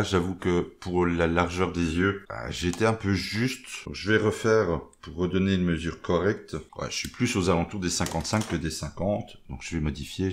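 A man talking through a software tutorial in a relaxed way, narrating each step as he goes with little interjections and stumbling over English terms. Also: deep voice. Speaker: maker explaining a software tool. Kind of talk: screen-recorded tutorial.

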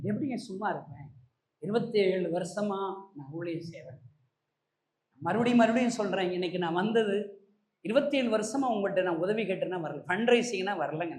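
A man preaching a fervent sermon, leading the congregation in loud prayer and rising to shouted pleas. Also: very high-pitched. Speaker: pastor. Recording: echoey hall, speaker far from mic.

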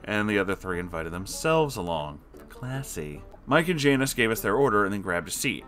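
Male storyteller, lower register, reads with lively sarcasm and quick asides over soft music. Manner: expressive, sarcastic asides between read passages. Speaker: story reader. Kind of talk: reading an online story aloud with asides.

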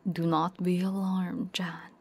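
A woman chatting casually to viewers as an ASMR streamer, in a soft, often whispered voice with a playful manner, very close to a binaural microphone. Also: fairly low pitch, little pitch movement, takes it slowly, vocal fry, slightly rough. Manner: playful, giggly. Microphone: close binaural ear microphone.

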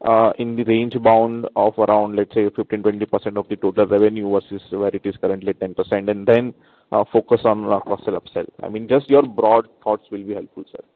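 Low-voiced Indian man, echoey phone line. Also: flat delivery, fairly quick. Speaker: analyst asking questions. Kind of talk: earnings call question, unscripted. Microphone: telephone conference call. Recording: narrow phone line with some room echo.

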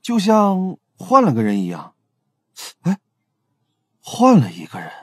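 An actor playing a brash young police detective in an audio drama, blunt and commanding. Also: male voice, sits high, wildly swooping pitch, unhurried, darkish tone, dry recording, studio quality, exaggerated voice. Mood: puzzled.

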